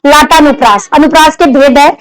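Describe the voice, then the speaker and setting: A woman's voice: high-pitched, brisk, rough recording. A woman teacher giving a classroom lecture on grammar, explaining step by step, repeating examples and putting questions to her students.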